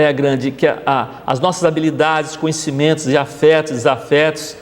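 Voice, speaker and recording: Man, spiritist lecturer, higher-pitched voice, conversational, long hall reverb. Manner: conversational, checks in with the audience often. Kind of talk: gospel study talk.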